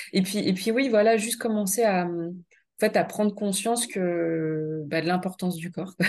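Her voice has a dark, mellow tone at a medium pitch. The woman speaks at a fairly slow pace with ordinary pitch variation. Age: 30s. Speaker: health coach. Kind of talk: testimony. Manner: halting.

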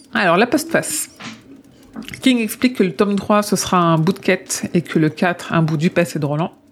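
Over noticeable background noise, the voice moves at a moderate pace with lively intonation and very even loudness. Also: woman, medium pitch for a woman. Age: 30s. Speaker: podcast host. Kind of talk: casual chat.

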